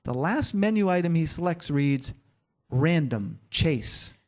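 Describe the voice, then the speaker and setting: A man reads scripted stage action as a narrator. His voice sits slightly high for a man, describing scenes in the present tense for a staged reading. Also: expressive, slow, darkish tone.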